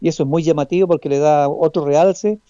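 A man's voice: fairly high pitch, steady tone, brisk, dark tone, smooth, no room sound, highs cut off. A man with a Chilean accent hosting a casual sports radio show, often tagging his remarks with little checking questions. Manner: frequent checking tag questions.

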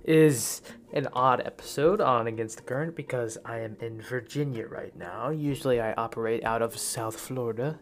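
A man's voice: medium pitch, normal speed. Young guy from the us doing a chatty podcast in a hotel bathroom, rambles and jokes around. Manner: rambling, jokey asides. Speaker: podcast host. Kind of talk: casual solo podcast talk.

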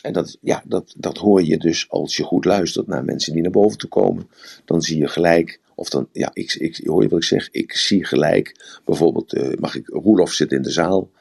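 A man's voice: sits low, moderate pace, creaky, darkish tone, slightly rough. A man giving a rambling, explanatory talk on communication in a live audio room, often repeating words. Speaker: speaker on communication.

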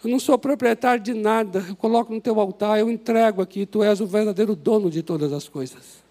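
A male pastor with a Brazilian Portuguese accent, preaching an impassioned sermon that swings from loud exhortation to soft, prayerful pleading in a church. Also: high voice, fairly quick. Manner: impassioned, rises to shouts then drops to soft prayer. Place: church sanctuary.

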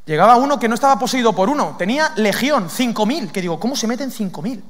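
A man from preaching a lively sermon, questioning his listeners and acting out lines from scripture. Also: very high voice, fast talker. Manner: lively, asks the audience questions, acts out demons' lines. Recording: long hall reverb.

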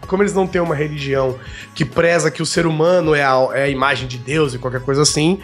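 A man's voice: on the high side, fairly even intonation, fast, faint music behind. A Brazilian man co-hosting a podcast, explaining facts in a long, casual way with lots of filler tags. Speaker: podcast co-host.

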